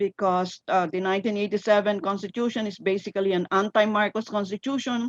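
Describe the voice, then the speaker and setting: A woman speaks with a Filipino accent at a medium pitch with fairly even intonation. The sound is dry and close, with no echo. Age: 70s. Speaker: political science professor, forum panelist. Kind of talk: panel discussion. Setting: online forum.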